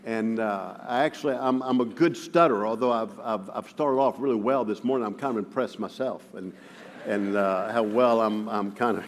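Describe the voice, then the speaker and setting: Stuttering preacher in a big hall. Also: male voice, medium pitch, slight background noise. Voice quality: stutters, with frequent repeated words. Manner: self-deprecating humor, chuckling as he talks. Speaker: guest preacher. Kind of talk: sermon with personal storytelling. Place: church sanctuary. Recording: long reverb of a large hall.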